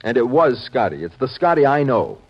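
A serious, authoritative security chief questions firmly in a medium-pitched male voice. He is brisk and probing, with 1950s radio drama delivery on a dull, muffled recording. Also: big pitch swings, slightly rough.

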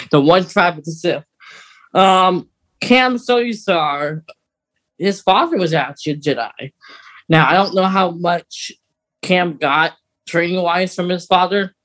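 A man's voice: sits high, a bit bright. A man co-hosting a podcast, chatting casually and informally as an enthusiastic fan of sci-fi books. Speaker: podcast co-host.

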